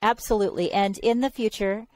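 An enthusiastic woman in her forties hosts a video-call interview, warmly encouraging her guest. Her voice sits at a middle pitch, close to a headset mic in a room at home. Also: steady tone, brisk. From California. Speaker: podcast host.

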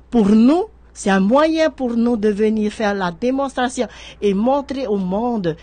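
This is a medium-pitched, dark-toned woman's voice: a middle-aged guest in a radio studio interview, president of a horticulture association, speaking into a studio microphone on a stand. She hesitates a lot, repeating words and restarting as she looks for them.

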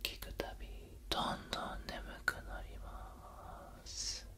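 A young man in a whispered role-play as a soothing hypnotist, speaking in a breathy whisper right in the listener's ear with repetitive, lulling suggestions. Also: slow pace. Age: young adult. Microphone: close binaural ASMR microphone.

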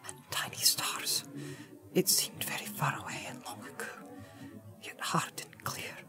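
A man voicing a frightened, haunted young hobbit in a storybook, breathy and hesitant, stammering as he speaks. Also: steady tone, moderate pace, over music. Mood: haunted, fearful. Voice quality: breathy, shrill at peaks.

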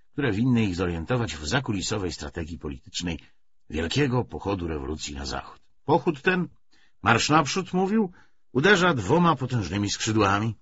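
A man reading a novel aloud as a scripted audiobook narration, with a husky voice. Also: mid-range voice. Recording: slightly dull, lo-fi audiobook recording.

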